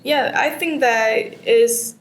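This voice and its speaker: A woman's voice: on the high side, takes it slowly. A young Vietnamese woman, a non-native English speaker, answering exam questions hesitantly with many fillers and repeats. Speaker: test candidate. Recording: echoey room with faint noise.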